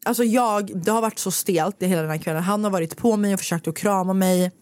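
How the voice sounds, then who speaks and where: A woman, a podcast host talking casually and telling a story in a lively way, acting out what others said. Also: medium pitch, dry recording. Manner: animated storytelling, acting out quotes. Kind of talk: casual chat.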